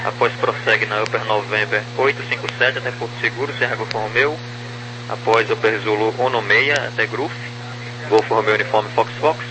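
A Brazilian man working as an air traffic controller, reading clearances in clipped, procedural phraseology over a crackly aviation radio. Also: lowish voice, steady tone, fairly quick. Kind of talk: radio clearance phraseology, spelling with phonetic alphabet. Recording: noisy, humming air-band radio transmission.

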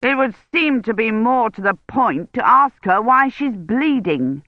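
A woman's voice: on the high side, lively intonation, unhurried, dry recording, pitched above the performer's own voice. A woman reading a novel aloud, voicing a protective, anxious older male academic who talks in a worried, sharply reproachful way. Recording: dry, slightly dull lo-fi recording.

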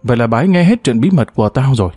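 A man's voice: mid-range voice, lively intonation, very fast, dark tone, breathy edge, no room sound, faint music behind. A man voicing a panicked middle-aged male boss who stammers as he speaks, in an audiobook. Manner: stammering, flustered.

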